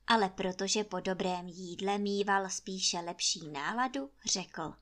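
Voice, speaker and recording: A woman narrating a fairy tale for children in a lively, folksy storytelling manner. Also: mid-range voice.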